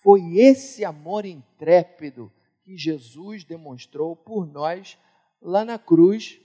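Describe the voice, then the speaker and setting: A man from Brazil preaching a sermon, emphatic, swinging between loud and hushed. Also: high-pitched, animated, slow pace. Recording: reverberant hall.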